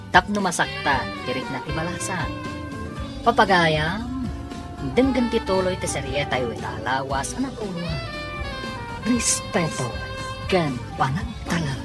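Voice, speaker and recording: Low-voiced woman narrating over music. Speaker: radio drama narrator and announcer. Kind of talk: scripted dramatic narration. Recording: music behind the voice.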